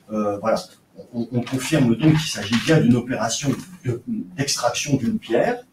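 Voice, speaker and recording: A man's voice: medium pitch, a little mellow. Guy giving a lecture, lots of um and uh, mic kinda far away, echoey room. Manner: explanatory, with hesitations and many fillers. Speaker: archaeologist lecturer. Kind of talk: academic seminar lecture. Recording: roomy, distant lecture recording with faint noise.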